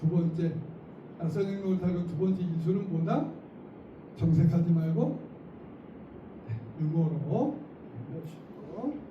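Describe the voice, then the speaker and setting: A middle-aged man with a high voice lectures a room of teachers, acting out what students and teachers say. He sounds distant from the mic, with a lot of room echo. Background noise runs under his voice. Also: a little slow, long pauses, lo-fi sound. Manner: lively, acts out classroom lines, laughs often. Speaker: teacher trainer. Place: school auditorium. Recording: echoey hall, mic from far off, noisy.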